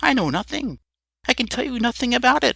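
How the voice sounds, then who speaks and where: Putting on a character voice, a man goes extremely high in pitch. His lively intonation comes at a fairly quick pace. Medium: read story. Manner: indignant.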